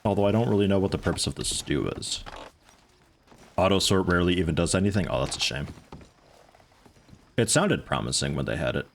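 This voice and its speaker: A man livestreaming a video game, chatting in a mellow, soothing, rambling way. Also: low-pitched, lively intonation, fairly quick, vocal fry, long pauses, a little hiss or hum. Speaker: gaming livestreamer. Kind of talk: casual livestream commentary.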